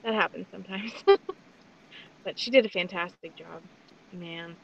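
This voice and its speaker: A woman's voice: fairly low pitch, unhurried, creaky, muffled recording, a little hiss or hum. A woman guest hosting a podcast, chatting casually in a gushing, rambling, informal way. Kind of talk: casual excited podcast chat.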